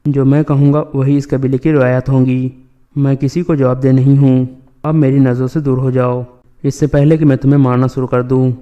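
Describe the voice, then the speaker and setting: A man reading the lines of a scheming, treacherous male tribal lord in a flat, even voice. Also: mid-range voice, clean tone, dull audio, close to an everyday voice. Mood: angry.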